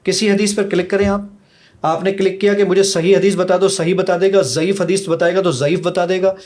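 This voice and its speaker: Man, middle-aged, high-pitched, eager demo-driven podcast guest, counts off seconds as he shows features. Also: fairly even intonation, darkish tone. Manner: eager, rapid-fire demonstrating, counts seconds aloud. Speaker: app developer guest. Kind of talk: podcast interview with live app demo.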